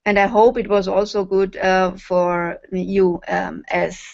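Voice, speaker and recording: A woman answering as an interview guest in a halting way with long pauses, on a muffled web call. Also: medium pitch, level tone, gravelly, a little mellow. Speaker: guest, course facilitator. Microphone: online video call.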